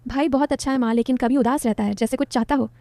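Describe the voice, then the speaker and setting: Woman doing a young schoolgirl daughter, earnest, questioning, high-ish, soft. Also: fairly even intonation, quick pace, dry recording, clean studio sound.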